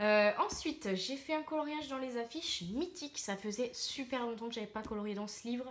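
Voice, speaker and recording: Lively intonation accompanies speech at a moderate pace. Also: woman. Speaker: coloring hobbyist youtuber. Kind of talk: casual show-and-tell vlog. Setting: at home, shutters closed. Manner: hesitant, many fillers.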